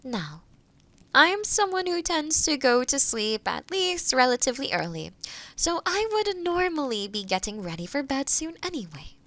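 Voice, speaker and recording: A woman playing a kind, solitary forest witch in a fantasy audio roleplay, speaking softly and sometimes breathily to the listener in formal, thoughtful, hesitant phrases. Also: high voice, very animated, moderate pace, dry recording, exaggerated voice. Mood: warm, welcoming. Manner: formal, old-fashioned wording, thoughtful and hesitant.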